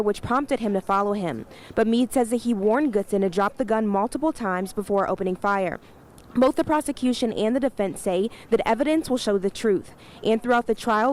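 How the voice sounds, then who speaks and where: A woman's voice: mid-range voice, darkish tone. A woman TV news reporter delivering a scripted live report from the field. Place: live remote at a courthouse. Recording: clear background noise, live on location.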